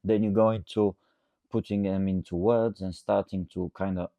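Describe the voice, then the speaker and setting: Bulgarian guy coach chatting unscripted, really low voice with lots of fry, kinda rambly, dry sound. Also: fairly even intonation, normal speed, dark tone, dry recording. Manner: rambling, checks understanding with frequent "okay?". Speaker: coach and host answering audience questions. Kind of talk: casual unscripted talk to camera.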